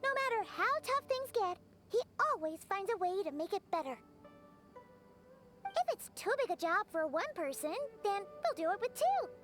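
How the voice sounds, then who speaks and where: A little fairy companion from a video game with an extremely high, squeaky voice. She is childlike and cheerful, bouncing up and down in pitch as she exclaims. Music plays clearly behind her. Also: sing-song, normal speed. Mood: earnest, cheerful. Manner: cheerful, exclamatory, refers to herself in the third person. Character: small, bubbly, childlike female fairy companion. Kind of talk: video game character dialogue.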